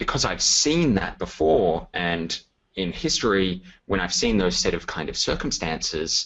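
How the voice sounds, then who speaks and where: A man talks with a slight Australian accent and lively intonation. His pitch is very deep and low. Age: 30s. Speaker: stock trader and trading educator. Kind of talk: webinar presentation. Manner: conversational, many fillers.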